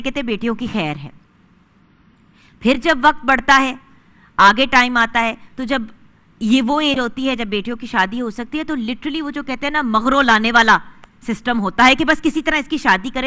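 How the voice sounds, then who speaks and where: A woman hosting a religious broadcast, speaking earnestly and conversationally to viewers and pausing with hesitations as she tells a childhood story. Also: fairly high pitch, sharp tone.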